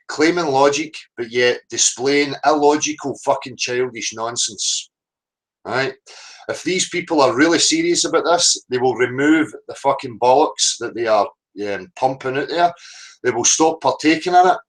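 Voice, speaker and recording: A Scottish livestream host launches into an impassioned, unscripted rant, blunt, confrontational and heavily sweary, insisting on his points and tagging them with "right?". His voice is mid-range at a moderate pace, and the recording quality is low.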